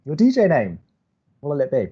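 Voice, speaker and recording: A man playing a reluctant college radio co-host in an audio romantic comedy, dry and exasperated, halting when flustered. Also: on the high side, wildly swooping pitch, dark tone, husky, lo-fi sound, heavily acted. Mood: teasing, dry.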